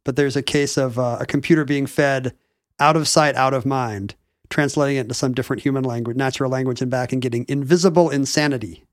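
Quick-witted man chiming in fast. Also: medium pitch, steady tone, dry recording, clean studio sound. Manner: quick witty interjections. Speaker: podcast co-host. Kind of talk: casual conversation.

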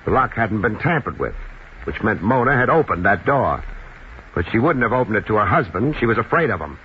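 An American man playing a tough, laconic private investigator in a 1950s radio drama, with dry, deadpan delivery. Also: on the low side, a little fast. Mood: hard, controlled. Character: tough, unflappable male private investigator, wry and relentless. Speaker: lead actor and first-person narrator. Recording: muffled, noisy old 1950s radio recording.

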